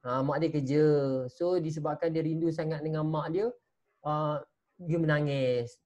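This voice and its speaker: Over a video call, a man gives children an online religious studies class built around a story. His voice is a little high and his pace moderate. He stays animated, addressing the children directly and frequently stopping to quiz them.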